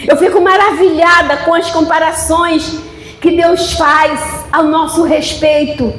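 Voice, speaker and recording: At a very slow pace, a woman speaks with an extremely high pitch and monotone, flat intonation, amid noticeable background noise and audible room echo. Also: very even loudness. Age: 60s. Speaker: pastor. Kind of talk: sermon. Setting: church service with congregation.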